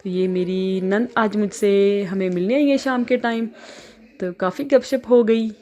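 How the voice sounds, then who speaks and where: A young woman from Pakistan speaks in an easygoing home vlog, her Pakistani Urdu accent plain in every phrase. She talks in a chatty, friendly flow and often pauses on filler sounds while she gathers her thoughts. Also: medium pitch, fairly even intonation, a little mellow, dull audio. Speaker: vlogger.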